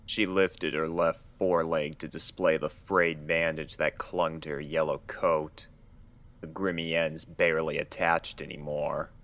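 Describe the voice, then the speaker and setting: A man's voice: extremely low pitch, little pitch movement, measured pace, fairly bright tone. A man reading fan fiction aloud as a scripted story narrator.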